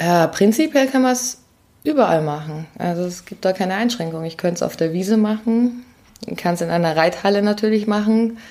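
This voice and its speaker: Lively intonation from a woman at medium pitch. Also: fairly quick pace. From Munich, Bavaria; schooling in Vienna from teens. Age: 40s. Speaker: horse-assisted coach, former journalist. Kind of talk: interview. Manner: hesitant, many fillers.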